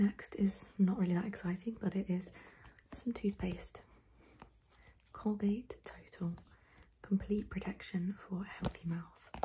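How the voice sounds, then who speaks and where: A woman whispers, soft-spoken and somewhat breathy. Light background noise can be heard. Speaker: YouTuber. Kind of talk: casual vlog chat, product talk. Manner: soft, hushed ASMR whisper. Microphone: phone near.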